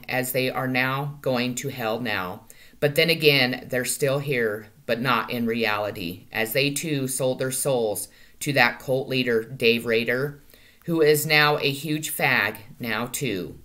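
Speaking slowly in a bass register, this woman sounds bright and forceful. She is a middle-aged vlogger delivering supposed channeled messages in a monologue to her webcam at home in a small room, occasionally tripping over words and fixing them.

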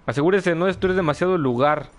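A young Mexican man riffs loosely over his gameplay, cracking jokes and answering viewers as he plays. His voice sits a little high for a man. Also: fast. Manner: joking, reads chat aloud, laughs often. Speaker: gameplay streamer. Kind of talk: casual live gameplay commentary.

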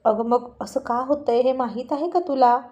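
A woman's voice: high-pitched, normal speed, mellow, muffled recording, lightly acted. A woman voicing a confident, teasing young female friend. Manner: teasing, knowing.

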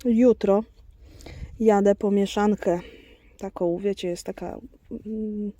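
A woman's voice: mid-range voice, fairly even intonation, takes it slowly, dark tone, dry recording. A woman vlogging outdoors on her farm, chatting to her goats and to her viewers. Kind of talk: casual vlog chat.

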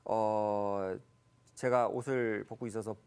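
A man's voice: takes it slowly, clean tone. A man in his fifties giving a church lecture, retelling Bible scenes and family stories with many fillers and self-corrections, acting out the quoted lines. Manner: animated, acts out quoted lines with big pitch jumps. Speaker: Christian lecturer.

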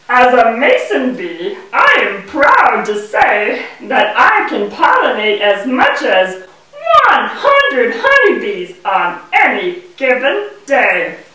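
A woman's voice: fairly high pitch, sharp tone, full character voice. A woman voicing a proud, bubbly male bee puppet in a children's show, boastful and theatrical with sing-song phrasing. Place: indoor puppet stage, far from the mic. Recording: echoey room, distant microphone.

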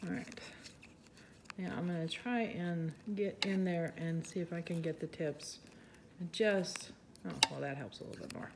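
Background noise accompanies a woman with a fairly low voice as she narrates a relaxed resin tutorial at a moderate pace. A resin artist and channel host, she thinks aloud, pokes fun at herself, and has a voice people call soothing.

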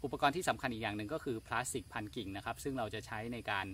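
Quick, polite man demonstrating outdoors. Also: fairly low pitch, slight background noise. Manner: polite, steady instructional delivery. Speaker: farm channel host. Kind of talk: gardening demonstration. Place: outdoor plant nursery.

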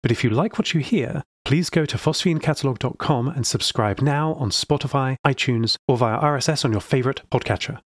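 A man's voice: medium pitch, fairly quick, dry recording, clean studio sound. A man speaking as a podcast creator and host, giving a scripted introduction.

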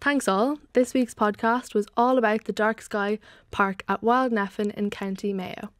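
A young woman hosts a panel podcast from an indoor, TV-style studio set, wearing headphones at a large desk microphone. She introduces her guests in a friendly, scripted-sounding way and puts easy questions to them. Her voice is mid-range, with studio-quality sound and no room sound.

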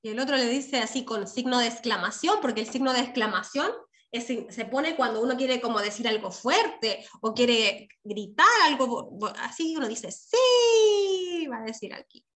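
A woman's voice: a little high, moderate pace, pushed and bright. A woman with a Chilean accent teaching young children over a video call, patient and affectionate. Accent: Chilean Spanish. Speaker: primary school teacher. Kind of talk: online class teaching.

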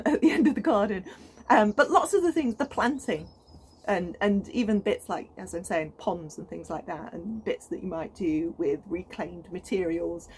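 A British woman in her thirties talks to camera outdoors on an allotment plot, chatty and enthusiastic, with plenty of ums and restarts. Her voice sits at a middling pitch, and faint outdoor ambience hums behind her. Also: slight background noise. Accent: British English. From United Kingdom. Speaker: gardening vlogger. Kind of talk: casual chat to camera.

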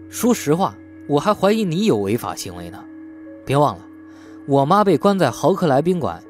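A man's voice: a little high, a little mellow, pitched above the performer's own voice. A man voicing an aggrieved, defiant young man in an audiobook, argumentative and sarcastic. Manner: indignant, argumentative.

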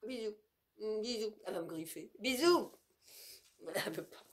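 A French vlogger in her fifties chats casually about her groceries, recording on a close front camera in a bedroom with leafy wallpaper. Her mid-range voice is expressive at normal speed and slightly stuffy with a cold. Playful and chatty, she occasionally coos in baby talk to her cat.

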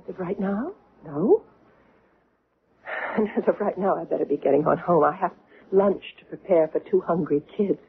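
An actress in a 1970s radio drama playing a bewildered, anxious young mother with a halting delivery. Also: lowish voice, expressive. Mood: anxious, polite. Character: frightened, bewildered young mother, UFO witness. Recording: muffled, noisy old radio recording.

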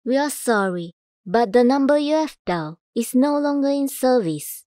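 Female voice-over artist: slightly high, unhurried, measured delivery, dry close recording. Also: expressive, warm tone, no room sound. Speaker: voice actor. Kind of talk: voice-over demo reading of commercials, narration and announcements.

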